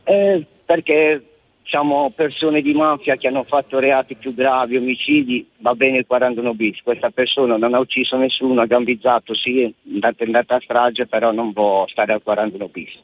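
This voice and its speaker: A man's voice: mid-range voice, steady tone, a little fast, no echo. Radio show caller, male, from Bari, heard over a thin phone line: plain-spoken, hesitant, dry sound. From Bari, Italy. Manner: plain-spoken, short hesitant opinions with fillers. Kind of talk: call-in opinion on a phone-in show.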